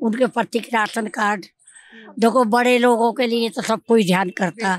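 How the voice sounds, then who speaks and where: At a very slow pace, a woman speaks with fairly even intonation in a dry sound with no echo. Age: 80s+. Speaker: elderly local resident interviewed; interviewee. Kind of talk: street interview. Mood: earnest, storytelling, some complaint. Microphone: handheld.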